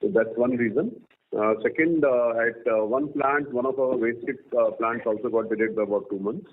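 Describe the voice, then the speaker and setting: A man with an Indian accent speaking as a company executive, answering questions on an earnings call in a halting way with pauses mid-sentence. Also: medium pitch. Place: conference call line. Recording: noisy phone line with clicks.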